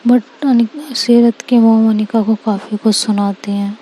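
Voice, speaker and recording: A woman narrating a romance story in an unhurried, conversational way. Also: on the high side, fairly even intonation, warm tone, slight background noise, rough recording.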